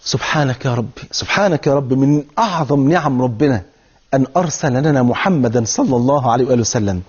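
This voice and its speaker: A man's voice: mid-range voice, lively intonation, fast, a little mellow, slightly rough, muffled recording. A man with an Egyptian Arabic accent delivering a televised religious sermon, speaking fervently and putting rhetorical questions straight to his viewers. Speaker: preacher.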